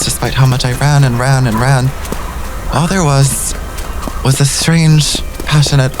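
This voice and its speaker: A man's voice: mid-range voice, natural voice. Man as melodramatic young narrator, self-deprecating, mid-range voice, scripted audio drama, music behind. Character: wry, melodramatic young narrator fleeing danger.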